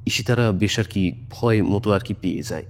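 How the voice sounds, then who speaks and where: A man's voice: fairly low pitch, moderate pace, slight background noise. A man telling a story in an informal, conversational and suspenseful way, as on a ghost story podcast. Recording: music under the voice. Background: background music.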